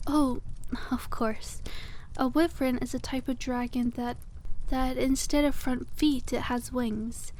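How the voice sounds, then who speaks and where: A cute young witch shopkeeper played by a woman talks in a fairly high, soft ASMR voice. She is cheerful and quaintly polite, gently selling dragon eggs to a customer. There is noticeable ambient noise behind her. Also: steady tone, slow pace, hardly any pauses, low-quality recording. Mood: enthusiastic, informative. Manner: gentle sales patter, quaint polite wording. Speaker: ASMR roleplay performer. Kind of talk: soft-spoken ASMR roleplay, one-sided conversation with a customer.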